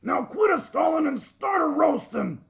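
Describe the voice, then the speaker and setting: A man voicing a short-tempered little cartoon cowboy outlaw with a gravelly voice, an American Western accent and a bellowing, blustering manner. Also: very high voice, lively intonation, moderate pace, fairly bright tone, heavily acted. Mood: furious.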